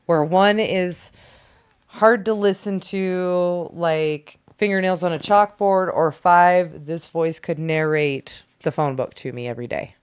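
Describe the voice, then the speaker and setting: Low, smooth-voiced woman hosting a podcast. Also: steady tone, no echo, clean studio sound. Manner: brisk, leads the segment, laughs often. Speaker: podcast co-host. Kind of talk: casual chat.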